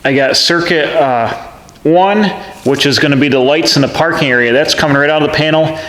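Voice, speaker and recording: A man's voice: on the high side, fairly quick, fairly bright tone, slight background noise. A man hosting a do-it-yourself video, explaining his work step by step as he goes and thinking aloud with frequent restarts. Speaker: DIY channel host. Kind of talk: casual step-by-step explanation while working. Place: pole barn workshop. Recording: echoey, reverberant barn space.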